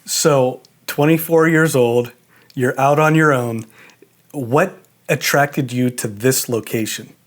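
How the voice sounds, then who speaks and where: A man's voice: medium pitch, slow pace. A man with a mid-range voice hosts a podcast in a casual, chatty way. He leans on fillers and loose asides. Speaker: podcast host.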